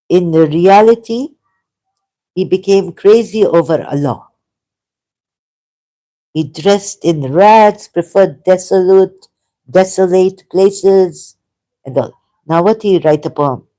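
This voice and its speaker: Non-native English speaker, slow delivery, mellow tone, casual rambling monologue, giggly, digressive, halting. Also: mid-range voice. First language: not English. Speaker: solo video host.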